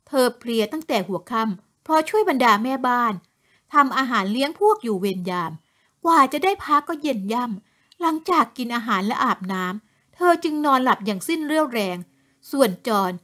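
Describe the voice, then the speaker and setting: A woman narrating a horror story in an expressive storytelling manner. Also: high voice, moderate pace.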